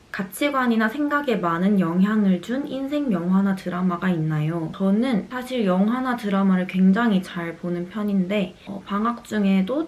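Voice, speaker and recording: Over noticeable background noise, a woman with a strong Busan accent speaks at medium pitch and a fairly slow pace with ordinary pitch variation. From Busan, South Korea. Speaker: medical student vlogger. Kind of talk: Q&A vlog talk.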